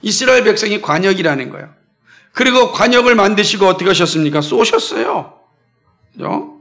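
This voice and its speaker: A man's voice: sits high, sing-song, brisk, fairly bright tone. A man from South Korea preaching a sermon as pastor, emphatic and firing repeated questions at the congregation.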